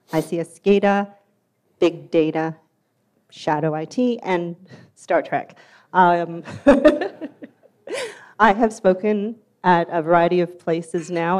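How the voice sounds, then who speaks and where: A woman's voice: on the low side, darkish tone. A woman giving an enthusiastic, upbeat conference talk in a hall. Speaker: security conference speaker.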